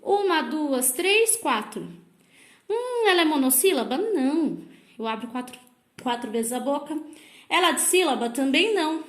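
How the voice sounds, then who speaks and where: A woman with a Brazilian Portuguese accent, a primary school teacher giving a recorded lesson to children and sounding out words slowly, syllable by syllable. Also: high-pitched, fairly bright tone. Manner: slow, exaggerated syllable-by-syllable explanations. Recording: echoey room.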